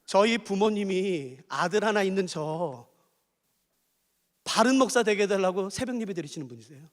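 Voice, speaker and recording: Male preacher, animated delivery, emphatic repeats, echoing hall. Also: high voice, normal speed. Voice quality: emphatic, repeats key phrases. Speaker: pastor. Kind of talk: sermon.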